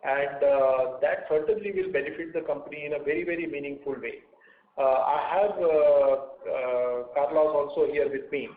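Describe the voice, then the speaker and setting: A man, a company executive answering analysts on an earnings call in a measured way with frequent pauses, over a tinny phone line. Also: a little high, reverberant.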